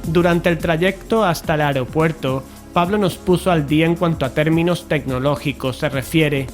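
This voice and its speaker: A man's voice: on the high side, normal speed, close to an everyday voice. An actor from playing a serious, technology-naive investigator who narrates his own story in an audio drama. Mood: measured, puzzled. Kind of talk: audio drama dialogue and first-person narration. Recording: music bed behind the voice.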